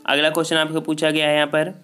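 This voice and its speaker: A man's voice: fairly high pitch, completely flat delivery, quick pace, pushed and bright, clear, resonant tone. A man teaching exam prep, going through a grammar test and repeating each answer with a check-in. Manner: repeats each answer and asks it back with "ठीक है". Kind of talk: solving a Hindi grammar test paper aloud.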